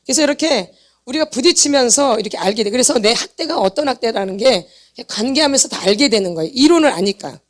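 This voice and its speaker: High-pitched woman preaching emphatically. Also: expressive, quick pace. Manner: emphatic, repeats points and quizzes the audience for answers. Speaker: pastor's wife teaching a healing seminar. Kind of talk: church seminar preaching. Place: church meeting hall.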